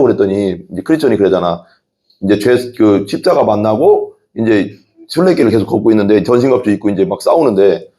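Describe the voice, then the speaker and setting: A male pastor delivers a sermon and keeps tossing questions to his congregation. His voice is gravelly and his pitch moves about a lot. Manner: lively, asks the congregation questions.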